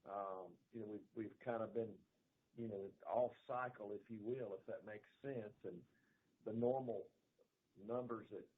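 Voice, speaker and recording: A middle-aged man, a company executive answering analysts on a conference call in a folksy, hedging, halting way. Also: on the low side. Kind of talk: unscripted earnings call answer. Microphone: telephone conference call. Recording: narrow phone line with clear noise.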